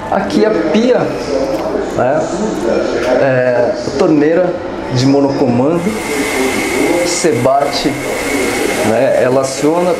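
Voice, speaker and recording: A middle-aged man with a Brazilian Portuguese accent, giving a halting, explanatory walk-through commentary to camera in a casual style. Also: mid-range voice, low-quality recording. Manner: halting, explanatory, often seeking agreement with tag words. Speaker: accessibility vlogger. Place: on location at a stadium, outdoors then indoor concrete halls and restroom.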